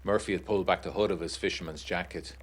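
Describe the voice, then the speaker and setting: Low-voiced, uneasy 1920s gentleman. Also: steady tone. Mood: sombre, descriptive. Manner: formal, measured, literary. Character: uneasy, educated gentleman writing letters from 1920s Ireland. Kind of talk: dramatic reading of a gothic period letter.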